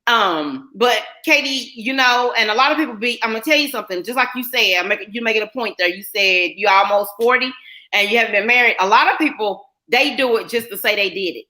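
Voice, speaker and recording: A woman's voice: a little high, fairly quick, pushed and bright, poor audio. A woman with a Southern US accent from North Carolina, hosting a casual live chat and reading out viewer comments. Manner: chatty, reads viewer comments aloud. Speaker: livestream host.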